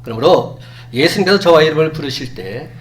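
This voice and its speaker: A man preaching a sermon as pastor, animated, acting out quoted lines. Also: fairly high pitch, fast. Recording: distant mic with faint hum.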